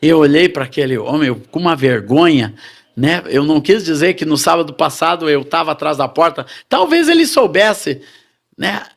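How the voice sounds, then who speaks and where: A middle-aged Brazilian man telling his conversion testimony in a sermon, animated and addressing the congregation as brothers. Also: a little high, normal speed, gravelly. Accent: Brazilian Portuguese. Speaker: preacher giving testimony.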